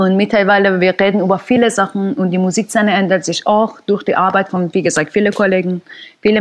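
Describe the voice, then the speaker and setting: A woman speaks at a medium pitch and moderate pace with a Persian accent. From Iran (Tehran). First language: Persian (speaking German). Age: 30s. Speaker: orchestra musician. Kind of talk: casual interview chat. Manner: halting.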